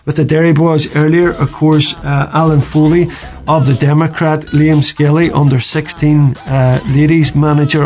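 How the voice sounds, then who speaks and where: A man's voice: on the high side, a little mellow. A man with a Donegal accent hosting a sports radio show in an informal, conversational interviewing style.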